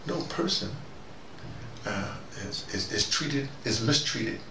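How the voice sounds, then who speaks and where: Gravelly man lecturing in a roomy room. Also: medium pitch, lively intonation, slow. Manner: digressive, with sudden rising emphasis. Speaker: commentator speaking to a small audience. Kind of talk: rambling spoken lecture. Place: small room indoors. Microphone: far camera mic. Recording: roomy, distant, noisy.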